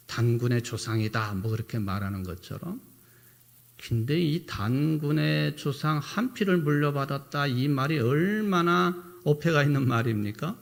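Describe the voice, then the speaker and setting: A man's voice: medium pitch, gravelly. A middle-aged male pastor giving a sermon in a conversational way, often posing rhetorical questions to the congregation.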